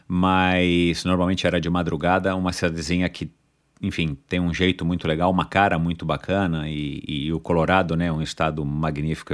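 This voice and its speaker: Male podcast host and interviewer, São Paulo Brazilian accent, on the lower side in pitch. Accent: Brazilian Portuguese, São Paulo.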